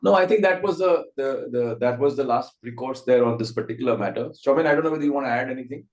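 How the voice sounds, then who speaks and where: A man's voice: mid-range voice, quick pace. A man with an Indian accent answering as a company executive on an earnings call, methodically setting out his points. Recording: roomy echo.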